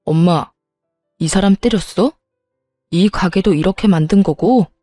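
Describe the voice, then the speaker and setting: A woman's voice: fairly low pitch, unhurried, dry recording, soft background music. A woman voicing a furious grown son who reproaches his mother and coldly breaks ties with her, in a scripted story. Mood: angry. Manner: shouting reproach, then cold resolve.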